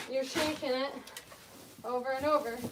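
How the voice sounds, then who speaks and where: A woman speaks amid noticeable background noise. Audible room echo surrounds her voice. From Vermont. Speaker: livestreamer and horse farm owner. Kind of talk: casual live stream chat while doing barn chores.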